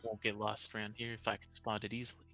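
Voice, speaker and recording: A man role-playing as a player in a tabletop game, with measured, slightly formal phrasing. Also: on the low side, monotone, pushed and bright, soft background music. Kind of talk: in-character tabletop role-play.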